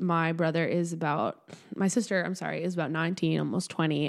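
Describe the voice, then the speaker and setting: A woman with an American accent uses a normal speaking voice at a fairly low pitch, speaking at a moderate pace with fairly even intonation. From Massachusetts, Swampscott. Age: 20s. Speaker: singer. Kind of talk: casual chat.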